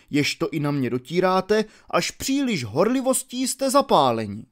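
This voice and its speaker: A man voicing a genial, seasoned Roman orator in an audiobook reading of a classical dialogue, with deliberate, instructive delivery. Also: medium pitch, natural voice. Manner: deliberate, instructive delivery of long archaic sentences.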